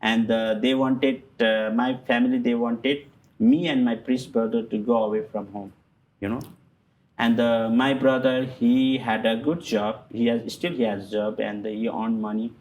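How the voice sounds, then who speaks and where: A middle-aged man, a guest telling his personal story in halting, full of fillers and restarts. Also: medium pitch, level tone, a little mellow, slight background noise, low-quality recording. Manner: halting non-native English with many fillers and restarts. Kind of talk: personal testimony in conversation.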